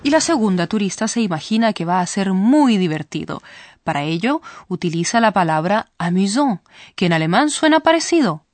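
A woman's voice: mid-range voice, big pitch swings, fairly quick, a little mellow, no room sound. Woman presenting a language lesson, dry sound. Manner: clear explanatory presenting. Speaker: host. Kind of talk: scripted lesson narration.

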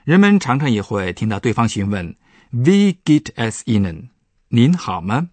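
A man's voice: mid-range voice, big pitch swings, a little slow, darkish tone, no room sound. A man, a professor, patiently explaining German grammar points on a radio language lesson. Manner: patient, explanatory, stresses example words.

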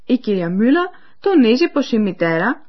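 Woman presenter with lively, animated pitch. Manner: clear, explanatory, addresses listeners. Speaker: radio language-course presenter. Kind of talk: scripted educational narration. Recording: dull lo-fi radio recording.

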